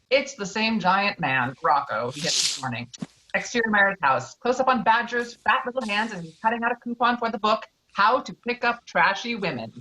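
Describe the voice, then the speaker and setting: A woman's voice: medium pitch, pushed and bright. A woman narrating stage directions from a screenplay at a virtual table read, recorded over an online call. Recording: dull lo-fi online call audio.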